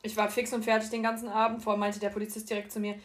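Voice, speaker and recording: Young woman telling a story with laughter. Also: medium pitch. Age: young adult. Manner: animated, laughing, quick bursts. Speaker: podcast co-host. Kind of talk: casual storytelling chat.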